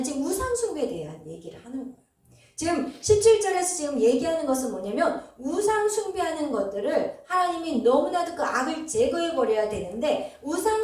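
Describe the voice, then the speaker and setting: High-voiced woman pastor in echoey church. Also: darkish tone. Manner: explanatory, addresses congregation directly, frequent "어" fillers. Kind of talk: Bible teaching sermon. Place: church sanctuary. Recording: very echoey hall, voice from far off.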